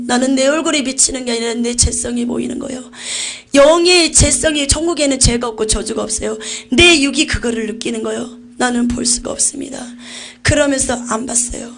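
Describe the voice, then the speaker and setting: A woman pastor with a Jeolla Korean accent gives an emotional testimony to a congregation, swinging from hushed whispers to fervent shouts. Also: high-pitched.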